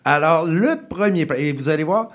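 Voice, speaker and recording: A man's voice: a little high, lively intonation, normal speed. A man giving a casual food column on the radio, playful and chatty, with frequent hesitations. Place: radio studio.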